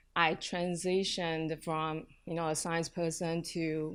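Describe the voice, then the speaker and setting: A woman speaks slowly-ish and in a monotone, flat intonation, with a Chinese accent and a fairly low pitch. The recording is very clean, with a silent background. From Taiwan. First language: Mandarin Chinese. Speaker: PhD student presenter. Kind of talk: conference talk. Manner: halting, many fillers.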